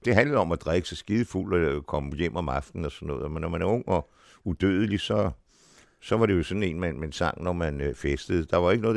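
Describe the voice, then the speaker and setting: Deep, gravelly older man reminiscing. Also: no room sound, clean studio sound. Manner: unhurried storytelling with small restarts. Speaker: actor, interview guest. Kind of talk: reminiscing in an interview.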